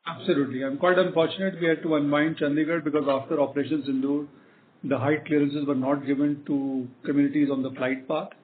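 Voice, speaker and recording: A man's voice: fairly high pitch, steady tone, fast talker. An Indian-accented man speaking as a company executive, explaining business off the cuff with frequent "right" and "you know" tags. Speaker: company executive answering investor questions. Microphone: phone conference line. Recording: narrow phone-line sound with faint noise.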